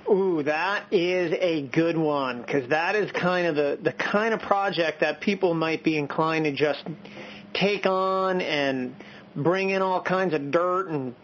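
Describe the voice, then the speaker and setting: A man's voice: on the high side, slow, a bit bright. Male radio co-host, jokey, wisecracking, lo-fi broadcast sound. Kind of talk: casual banter on a home-improvement call-in show.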